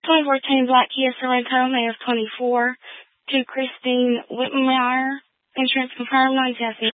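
A woman's voice: sits high, little pitch movement, normal speed, dry recording. A woman working as a police radio dispatcher, reading back records in terse, businesslike, clipped phrases. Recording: narrow, tinny police radio channel.

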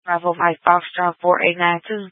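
A woman's voice: on the low side, little pitch movement, normal speed, no echo. A woman working as a police dispatcher, speaking tersely and procedurally over a two-way radio. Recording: thin narrowband police radio transmission.

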